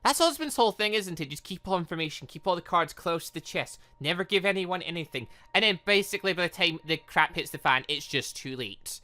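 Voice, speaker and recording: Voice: mid-range voice, lively intonation, fairly quick, few pauses, pushed and bright. A British let's play host giving casual commentary on a game, rambling and thinking aloud. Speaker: gaming video host.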